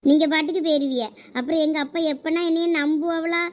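A woman's voice: sits high, steady tone, brisk, dull audio, natural voice. A woman with a Thoothukudi Tamil accent playing a young college girl who nervously scolds her friend. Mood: fretful. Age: young adult. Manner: scolding, worried. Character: anxious college girl scared of her father. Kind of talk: village comedy skit acting.

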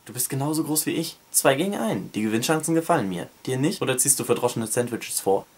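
A man's voice: mid-range voice, animated, fast, slightly rough. A man reading aloud the lines of a cocky, teasing young schoolboy in a book excerpt, in a slightly raised, breezy voice.

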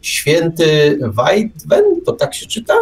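A man's voice: on the high side, sing-song, slow. A man hosting a radio show in casual chat, heard a little distant from the microphone.

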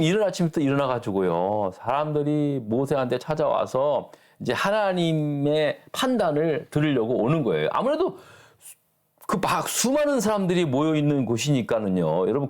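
A man's voice: mid-range voice, very animated, moderate pace, darkish tone. A man pastor leading a church Bible study, talking emphatically and asking the class rhetorical questions.

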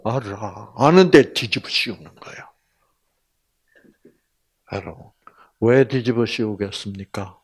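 A man's voice: on the low side, slow, long pauses, breathy edge. An older man giving a Bible lecture like a sermon. He tells stories with energy, acts out the quoted lines himself and asks his listeners questions. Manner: animated storyteller acting out quotes and asking the audience questions.

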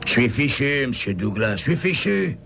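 A man's voice: medium pitch, big pitch swings, normal speed, creaky, music in the background, voice pushed up. A man voicing a moaning, panicky motel manager. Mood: despairing. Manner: lamenting, plaintive. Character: panicky whining male motel manager, middle-aged.

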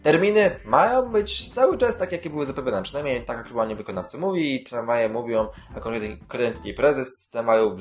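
A man hosting a casual news roundup, rambling with filler sounds and self-corrections, and dropping dry sarcastic asides. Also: medium pitch. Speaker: YouTube host covering city transit news.

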